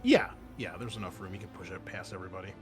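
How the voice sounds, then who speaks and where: A man's voice: deep voice, quick pace, faint music behind. A man narrating a tabletop roleplaying game as game master, improvising in a casual, profane way.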